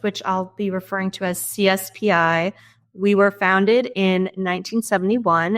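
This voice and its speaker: A woman with a middle-range voice speaks as an interview guest. She answers in a clear, measured and explanatory way, like an expert walking through her work. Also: mid-range voice. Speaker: policy scientist guest.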